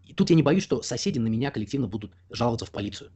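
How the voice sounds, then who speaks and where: A young man talks fast in a slightly husky voice. He is a guest in a casual interview. He argues his views at length and leans on fillers while he collects his thoughts. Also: mid-range voice, very animated, dark tone. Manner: talkative, opinionated, explains at length with frequent fillers.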